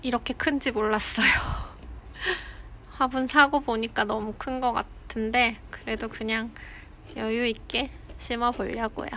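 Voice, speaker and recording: A woman's voice: on the high side, fairly even intonation, a little slow, bright, forceful tone, a little hiss or hum. A woman in her thirties chatting cheerfully as she narrates a casual home vlog. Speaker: vlogger. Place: home indoors.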